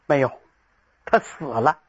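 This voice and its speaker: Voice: medium pitch, takes it slowly, slightly rough, lo-fi sound, pitched below the performer's own voice. A storyteller voicing a proud, stubborn young male general who talks back indignantly. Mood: glum. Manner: indignant, defiant.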